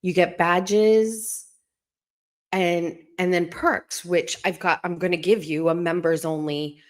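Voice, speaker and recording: Low-voiced woman chatting quietly at home. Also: fairly even intonation, slow. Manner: talking low and hushed to keep from waking someone; chatty and rambling, full of asides and restarts. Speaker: live stream host. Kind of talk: casual rambling live stream chat.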